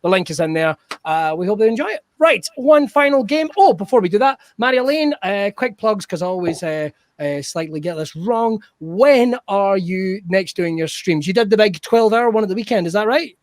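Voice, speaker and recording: A man's voice: high voice, lively intonation, normal speed, hardly any pauses, no room sound. A British man hosting an online improv comedy show, chatty and upbeat as he announces plans.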